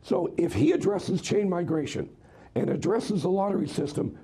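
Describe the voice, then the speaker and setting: An American man, hoarse and raspy from a cold, giving political commentary as a radio host guest in an interview. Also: sits high, lively intonation, moderate pace, warm tone. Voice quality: husky, raspy, strained.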